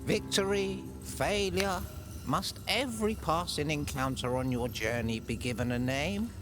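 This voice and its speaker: An actor playing a cryptic, calmly superior mentor in a video game, speaking in riddles with a measured, mocking, theatrical manner. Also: male voice, fairly high pitch, noisy background, natural voice. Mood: mocking, philosophical. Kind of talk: video game character acting.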